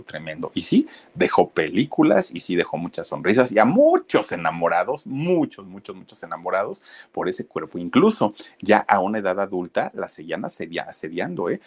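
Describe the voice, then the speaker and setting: A man hosting a casual live stream, chatting warmly and reading viewer comments aloud. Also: low voice. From Mexico. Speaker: online live-stream host.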